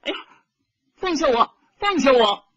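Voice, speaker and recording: A man voicing a feisty little girl who speaks in a shrill, urgent way. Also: sing-song, normal speed, a bit bright, no echo, highs cut off, exaggerated voice. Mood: alarmed.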